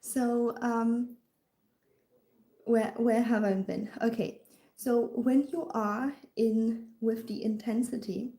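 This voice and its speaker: A woman's voice: on the high side, vocal fry, mellow, roomy sound. A woman with a German accent, a dating coach talking casually to viewers on a live stream, often dropping into a whisper and answering comments as she goes. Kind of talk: livestream talk to viewers.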